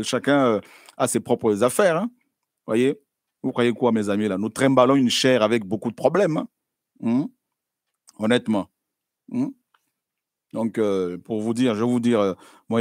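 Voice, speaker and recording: A man preaching a sermon in a conversational, repetitive way, often asking "hein?" and swinging between loud exclamations and quiet asides. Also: on the low side, no echo, studio quality.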